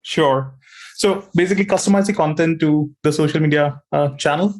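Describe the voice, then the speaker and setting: A man's voice: a little high, moderate pace, darkish tone. A man hosting an interview, summarizing politely and asking brief questions. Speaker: podcast host.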